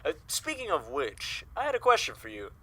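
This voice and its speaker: Man playing bright, jovial, effusive office colleague. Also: a little high, huge pitch swings, fairly quick, heavily acted. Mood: cheerful. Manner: cheery, effusive, courtly. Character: jovial, folksy male newspaper office colleague. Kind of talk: audio drama dialogue.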